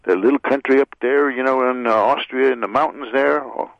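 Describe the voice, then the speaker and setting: A man giving unscripted radio commentary, halting and full of filler sounds, cynical about politicians. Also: medium pitch, creaky, dry recording. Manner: halting, many filler "uh"s, rambling. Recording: dry muffled radio audio.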